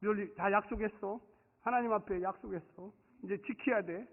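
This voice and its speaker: A man's voice: sits high, normal speed. Man, middle-aged pastor, Daejeon accent, dramatic storyteller, thin phone-like sound. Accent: Daejeon region Korean. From South Korea. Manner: dramatic, storytelling, swings from quiet to shouting. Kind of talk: sermon. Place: church sanctuary. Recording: tinny, phone-like sound with long hall reverb.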